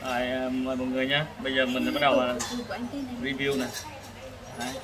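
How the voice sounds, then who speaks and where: A man in his thirties hosting a casual food review while eating, speaking haltingly with hesitations and repeated words. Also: medium pitch, completely flat delivery. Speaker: food vlog host. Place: open-air casual restaurant. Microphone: camera across the table. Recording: noisy eatery ambience, traffic.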